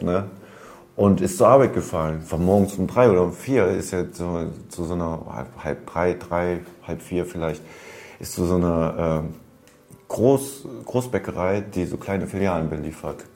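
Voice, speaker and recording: A man with a deep, gravelly, darkish voice casually recounts old stories. His storytelling rambles and is full of street slang and fillers.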